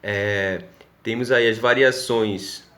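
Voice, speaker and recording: Slow and fairly even in intonation, this Northeast Brazilian teacher's voice sits on the low side with a fairly bright tone. He speaks Brazilian Portuguese with a Pernambuco accent, walking students through a recorded class step by step and checking in regularly.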